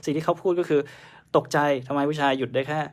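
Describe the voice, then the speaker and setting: A man's voice: a little high, fairly even intonation, fast talker. A man teaching a live-streamed exam prep lesson, chatting through answers and mixing English terms into his explanations.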